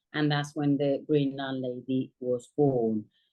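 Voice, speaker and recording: Speaking with a Spanish accent, a woman uses a very deep, low pitch, fairly even intonation, and a fairly slow pace. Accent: Spanish accent with London terminology. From Spain. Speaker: property investor. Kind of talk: interview. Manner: halting.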